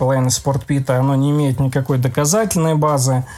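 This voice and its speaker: With fairly even intonation and a fairly high pitch, this man talks in an unremarkable speaking voice. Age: 30s. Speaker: sports doctor, orthopedic traumatologist. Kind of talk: interview on sports medicine.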